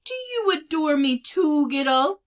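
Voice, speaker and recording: A woman's voice: high-pitched, big pitch swings, measured pace, pitched above the performer's own voice. A woman voicing a big, jovial, teasing village uncle in a storybook reading. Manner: hearty, boastful, teasing. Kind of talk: children's novel read-aloud.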